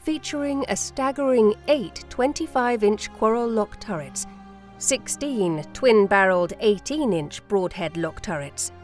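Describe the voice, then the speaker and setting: A woman reading scripted documentary-style narration in a formal, measured manner. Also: mid-range voice, a little mellow. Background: music.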